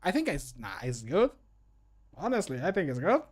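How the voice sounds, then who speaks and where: A man's voice: fairly high pitch, huge pitch swings, normal speed. A man in his thirties chatting casually as a streamer, in an amused, self-deprecating way, close on the microphone. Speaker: streamer recording mod voicelines. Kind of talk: casual livestream chat. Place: small home room. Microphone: close studio microphone.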